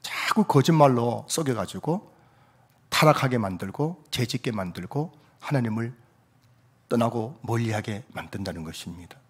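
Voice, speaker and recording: A middle-aged man preaching a sermon as pastor, in an animated, emphatic delivery. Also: mid-range voice, normal speed, husky.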